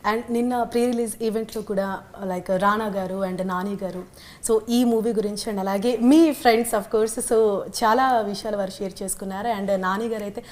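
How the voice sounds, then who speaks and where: A woman's voice: medium pitch, fairly even intonation, racing. A woman interviewer, asking questions politely, calling her guest sir and switching between two languages. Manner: polite, says sir, many fillers.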